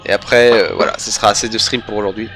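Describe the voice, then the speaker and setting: A man's voice: fairly low pitch, flat delivery, quick pace, a bit bright, faint music behind. A young French man doing casual live game commentary, rambling and hesitant as he goes. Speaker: game streamer.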